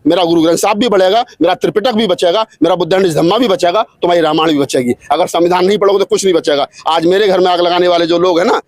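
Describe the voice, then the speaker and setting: A man with a high, quick voice gives an impassioned political argument, piling up rhetorical lists and mocking retorts. The sound is close and dry. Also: dry recording. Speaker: interviewee.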